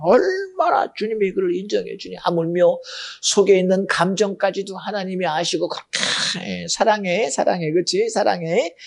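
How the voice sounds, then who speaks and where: A man preaching a sermon as pastor, swinging between loud exclamations and hushed, almost whispered asides. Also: sits high, animated, moderate pace, vocal fry.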